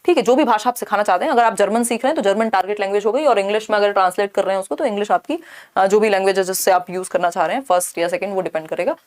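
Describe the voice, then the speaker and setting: A woman's voice: medium pitch, very fast. Woman teaching an exam-prep lesson. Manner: explains step by step, mixing in English terms; asks rhetorical questions and checks in with "thik hai".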